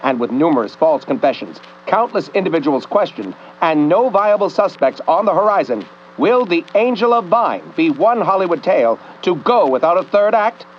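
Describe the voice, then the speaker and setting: A man's voice: sits high, big pitch swings, moderate pace, hardly any pauses. An actor playing a sensational 1950s newsreel announcer, theatrical and ominous in his narration of crime. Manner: theatrical, melodramatic delivery. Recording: dull old newsreel recording, faint noise.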